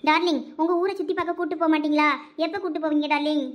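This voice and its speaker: A voice actor doing a giddy spoiled young bride, squeaky and quick. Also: fairly even intonation. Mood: pleading. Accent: Thoothukudi Tamil. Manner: childish, giddy and whiny. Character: bubbly spoiled young city bride, food-loving. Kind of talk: village cartoon voice acting.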